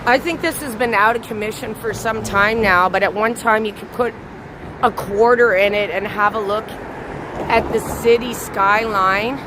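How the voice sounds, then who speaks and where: A slightly hoarse woman chatting with her viewers as she walks a city bridge at night, greeting them by name. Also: medium pitch, steady tone, a little slow. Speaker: livestream host. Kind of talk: live walking vlog chatting with viewers. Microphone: handheld camera on a gimbal. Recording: outdoor street recording with clear traffic noise. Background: traffic noise.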